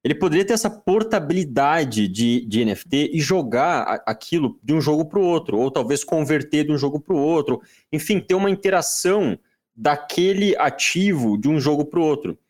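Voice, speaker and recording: A man's voice: a little high, lively intonation, normal speed, a little mellow. A man in casual podcast talk, rambling and self-deprecating with frequent restarts. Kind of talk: casual chat.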